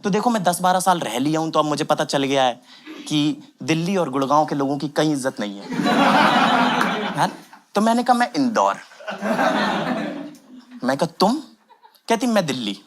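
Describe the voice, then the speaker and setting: A man's voice: on the high side, fairly quick, long pauses. Young man doing stand-up. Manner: animated storytelling with acted quotes. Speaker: stand-up comedian. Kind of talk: stand-up comedy set. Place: comedy club stage with audience. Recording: loud background noise.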